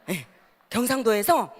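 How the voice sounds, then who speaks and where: A woman's voice: medium pitch, slightly rough. A woman from the Gyeongsang region giving a motivational seminar talk, telling stories with frequent questions to the audience. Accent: Gyeongsang Korean. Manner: lively storytelling with asides to the audience. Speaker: seminar speaker. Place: seminar hall. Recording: reverberant hall.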